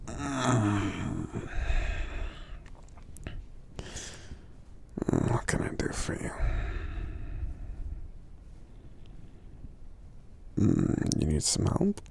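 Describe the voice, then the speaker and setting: A man playing a friendly, polite, protective giant in soft-spoken ASMR roleplay, breathy and gravelly, with hesitant, hum-filled pauses. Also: on the low side, heavily acted. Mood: welcoming. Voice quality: breathy, gravelly, half-whispered. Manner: hesitant, courteous, unhurried, pausing with hums.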